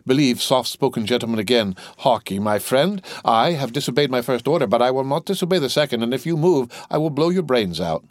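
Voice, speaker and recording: A man's voice: mid-range voice, lively intonation, brisk, hardly any pauses, no room sound, natural voice. A man voicing a stern gendarme guarding a prisoner in a storybook reading, blunt and dry in manner. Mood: angry, threatening. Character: gruff male prison guard, wry and stern.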